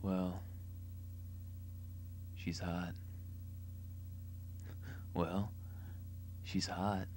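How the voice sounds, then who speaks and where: A man voicing a flirtatious rogue with a suggestive drawl, in an amateur audition on a quiet, hissy recording. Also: low-pitched, little pitch movement, extremely slow, pauses often. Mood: leering, amused. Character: smooth, flirtatious male rogue. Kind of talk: amateur character audition lines.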